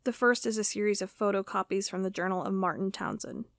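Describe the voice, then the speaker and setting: An actress playing an uneasy, dogged FBI agent dictating case notes in an audio drama, halting and conversational. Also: female voice, mid-range voice, no echo, studio quality, lightly acted. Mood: troubled, searching. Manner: halting, conversational, self-correcting. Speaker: FBI records agent character. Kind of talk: audio drama monologue, spoken like a recorded log.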